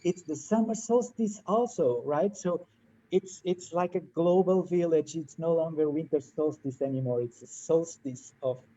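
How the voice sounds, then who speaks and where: A man's voice: on the high side, measured pace, dark tone. A man hosting a workshop on a video call, polite and hesitant, with many fillers. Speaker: workshop host. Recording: dull lo-fi call audio with faint hiss.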